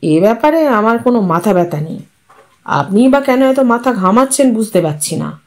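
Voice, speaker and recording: A woman's voice: on the high side, sing-song, moderate pace, darkish tone. Audiobook part: woman voicing a blunt defiant son, terse and questioning. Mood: curt. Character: blunt grown son defying a ritual, man.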